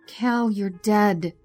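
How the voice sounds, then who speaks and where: Very slow, grieving woman. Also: mid-range voice, darkish tone. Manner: sighing, halting. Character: grieving, weary woman facing a lost loved one. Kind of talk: audio drama acting.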